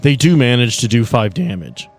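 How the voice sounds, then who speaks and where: A man's voice: mid-range voice, very animated, normal speed. A man acting as game master of a tabletop game, improvising scene narration and ruling on moves. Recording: music playing behind the voice.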